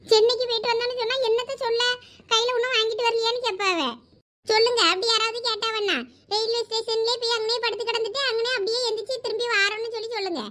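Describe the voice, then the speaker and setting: A woman's voice: very high voice, fairly even intonation, fast, a bit bright. A woman playing an angry middle-aged village woman who scolds and complains. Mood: ranting. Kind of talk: comedy skit acting.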